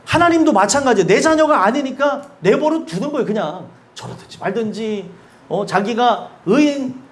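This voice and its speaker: A male pastor preaching a sermon in a church, animated, asking the congregation questions and laughing between points. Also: very high-pitched, normal speed. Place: church sanctuary.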